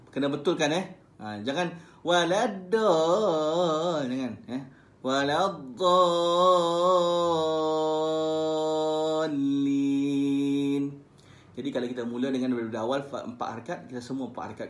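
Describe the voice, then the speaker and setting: A man with a Malaysian Malay accent teaching Quran recitation on a live stream. He chants verses slowly, then corrects pronunciation in quick, casual asides. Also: medium pitch, fairly even intonation, echoey room. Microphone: phone live stream.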